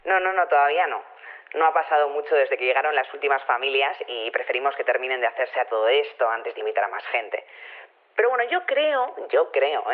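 Opinionated female leader, audio drama phone interview, telephone filter, very animated intonation, chatty, emphatic. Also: deep voice. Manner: chatty, emphatic, repeats herself. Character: chatty, opinionated woman in charge of a utopian community. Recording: thin phone-line sound.

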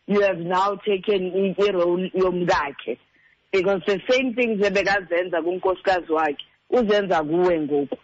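A relationship counsellor with a South African Xhosa accent gives earnest, direct advice, mixing two languages and repeating points for emphasis. His voice sits high at normal speed, and the recording is muffled.

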